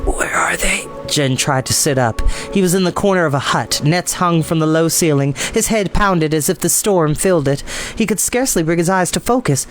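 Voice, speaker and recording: A man's voice: a little high, fairly quick, soft background music. A man hosting a storytime, moving between casual, rambling chat and reading a story aloud. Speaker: host and storybook reader.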